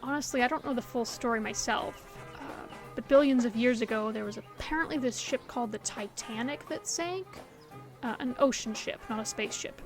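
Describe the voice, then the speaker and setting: A woman acting a gentle, hopeful best friend in an audio roleplay, talking to the listener in an earnest, reassuring, conversational way. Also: fairly high pitch, moderate pace, soft background music, close to an everyday voice. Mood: excited, hopeful. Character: gentle, hopeful female best friend comforting her secret crush. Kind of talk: scripted audio roleplay, intimate one-sided dialogue to the listener.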